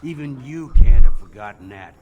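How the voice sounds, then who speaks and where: A man's voice: fairly high pitch, normal speed, mellow, lo-fi sound, close to an everyday voice. An actor playing a scornful, gossipy upper-caste dwarf man in a fantasy game, with a haughty manner.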